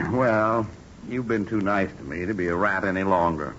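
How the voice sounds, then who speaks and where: A sheepish, smooth-talking houseguest. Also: male voice, low voice, normal speed, a bit bright. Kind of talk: 1940s radio comedy acting. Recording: dull old radio broadcast with music behind.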